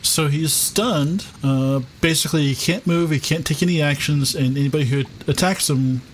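A man at a tabletop game, explaining the rules in a halting way. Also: on the high side, a little hiss or hum. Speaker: player.

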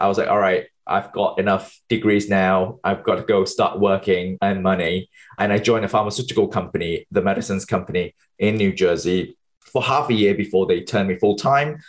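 A man from Malaysia in his thirties, a research scientist, answering interview questions in fast explanatory bursts. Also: lowish voice.

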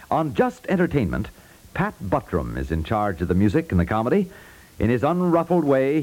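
A man reading a scripted 1950s network radio promo as an announcer, with polished, measured salesmanship. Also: medium pitch, darkish tone, poor audio.

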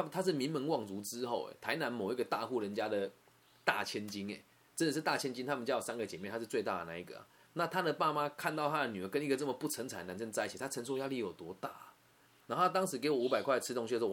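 A young man with a Taiwanese Mandarin accent tells his own story in a quick, conversational way. His voice sits fairly low, and he often repeats himself and turns to the listener with little questions. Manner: emotional, conversational, repeats words and asks "you know?". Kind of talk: personal storytelling monologue.

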